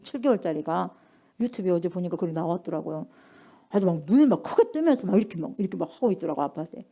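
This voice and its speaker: A middle-aged woman pastor preaching a lively sermon, asking the congregation questions and acting out little dialogues. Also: medium pitch. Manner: lively call-and-response preaching, acts out dialogue.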